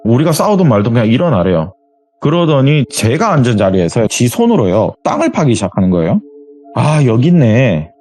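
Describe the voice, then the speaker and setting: A self-described grumbler with a mid-range voice recounts a true story as a guest in an interview, speaking a little fast. He keeps it conversational and animated, voicing his friends' lines as quoted dialogue along the way.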